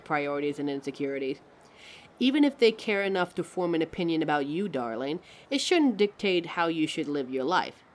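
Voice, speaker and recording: A woman voicing a living fashion mannequin in a scripted audio roleplay, haughty yet encouraging, with a dramatic, articulate delivery aimed straight at the listener. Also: deep voice. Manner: theatrical, dramatic, articulate, addresses listener as darling.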